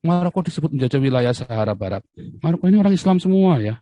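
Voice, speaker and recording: A man delivering an angry political rant in Indonesian, repeating himself and swinging between loud outbursts and low muttered asides. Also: expressive, fast talker, dry recording. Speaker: political commentator. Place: abroad, talking to camera.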